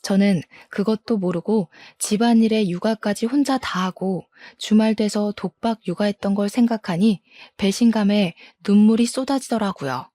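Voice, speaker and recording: A woman tells a first-person story in a plain, confiding way. Her voice is mellow and dark. The recording is dry and close. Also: mid-range voice, normal speed, few pauses, no room sound.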